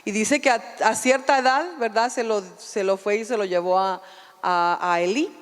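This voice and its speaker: A woman's voice: mid-range voice, moderate pace, smooth. A woman pastor preaching a sermon and reading scripture aloud, often calling out for amens and restarting her phrases. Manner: calls for amens, frequent restarts. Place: church sanctuary. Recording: long reverb in a church hall.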